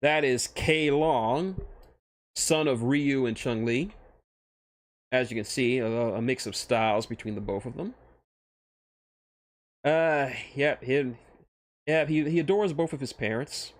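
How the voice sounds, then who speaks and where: A man talks about his self-created fictional characters in a casual stream, using a medium-pitched voice that halts and restarts phrases often.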